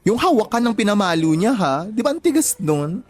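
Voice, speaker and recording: A man's voice: sits high, very animated, brisk. A young gay Filipino man in an audio drama. He is campy and sassy, telling things theatrically in casual slang over a music bed. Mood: dramatic, sassy. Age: young adult.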